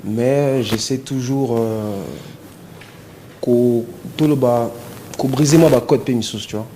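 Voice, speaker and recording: Man, musician guest, relaxed and hesitant, mid-pitched voice, faint hiss behind. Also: slow. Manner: relaxed, hesitant, mixing in Lingala words. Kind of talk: casual interview talk.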